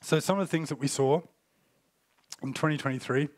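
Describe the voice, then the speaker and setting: Speaking on cyber threat intelligence at a conference, a fortysomething man with a lingering cold coughs every so often. His voice sits on the high side and he keeps a brisk pace, explaining in a loose, filler-heavy style, and there's no room sound.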